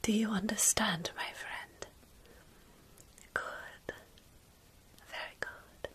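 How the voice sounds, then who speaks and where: A woman in her thirties playing a motherly, protective vampire mentor in a soothing, breathy whispered ASMR roleplay, with formal phrasing. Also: mid-range voice, fairly even intonation, extremely slow, a bit bright. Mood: calm, instructive.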